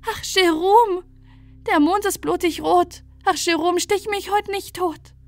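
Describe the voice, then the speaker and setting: A woman's voice: very high-pitched, slow, no echo, pitched above the performer's own voice, exaggerated voice. A woman voicing a desperate young noblewoman who pleads tearfully. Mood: pleading.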